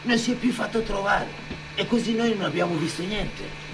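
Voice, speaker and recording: A man's voice: high-pitched, moderate pace, vocal fry, background noise, pitched above the performer's own voice. A man playing an injured Romanian labourer father, anxious and urgent, in a theatre piece. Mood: bitter. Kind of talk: stage narrative theatre acting.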